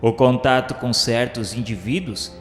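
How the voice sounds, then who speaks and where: A man playing an earnest spirit pupil in a radio drama, narrating a dark journey in solemn, formal, deliberate phrases. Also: mid-range voice, lightly acted. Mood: grave, awed. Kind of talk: radio drama, literary first-person narration. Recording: echoey long reverb with music behind.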